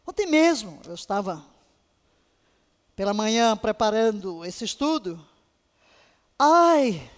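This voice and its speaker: A woman teaches on intercession with fervent, emotional delivery, at times softening into quiet laughter. Her voice sits in a middle register. The sound carries a long reverb, as in a large hall. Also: mid-range voice, big pitch swings, takes it slowly, pauses often. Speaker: Bible teacher.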